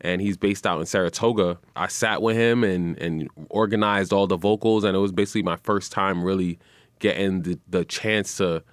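Young new guy, really deep low voice, dry studio sound, easygoing, lots of "man". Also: moderate pace, no room sound. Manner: relaxed, easygoing, says "man" and "you know" often. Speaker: guest musician and radio personality. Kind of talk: casual interview chat. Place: radio studio.

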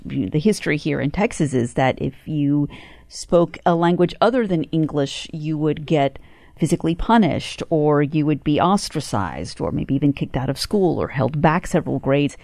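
Deep-voiced woman interviewer, dry sound. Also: animated, normal speed, creaky, warm tone, no room sound. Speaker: radio interviewer. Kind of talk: interview questions.

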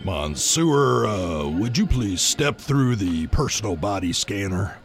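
A man's voice: on the low side, very animated, slow pace, faint music behind, exaggerated voice. A man playing a young airport security officer in a comedy sketch, polite, hesitant and patient. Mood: patient, bemused.

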